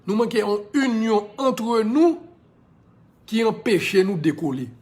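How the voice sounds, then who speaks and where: A man with a Haitian accent talks straight to his viewers in a casual live video, impassioned and preachy. His voice sits a little higher than most men's, and he drops English phrases in here and there. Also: lively intonation, a little slow, darkish tone. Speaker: social media personality.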